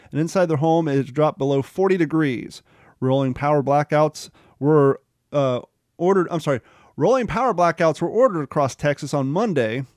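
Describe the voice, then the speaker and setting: A man's voice: on the high side, a little mellow, no echo, studio quality. A man hosting a casual talk show, reading news aloud in an easygoing way with fillers like "um" and "uh". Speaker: host.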